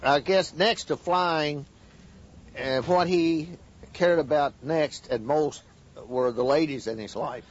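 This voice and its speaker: A man's voice: a little high, takes it slowly. A man reminiscing casually as an interviewee. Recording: dull archive interview tape.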